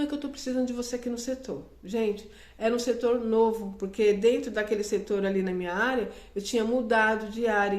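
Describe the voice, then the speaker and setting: A woman's voice: on the high side, a little mellow, roomy sound. A woman giving a personal Christian testimony, telling the story earnestly and acting out the dialogue.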